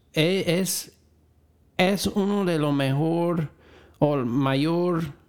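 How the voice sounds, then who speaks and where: A man with an American accent speaks in a high voice at a very slow pace, with ordinary pitch variation and long, frequent pauses. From United States. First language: English (speaking Spanish). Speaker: podcast host, teacher. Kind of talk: educational talk for parents. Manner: halting, many fillers and repetitions.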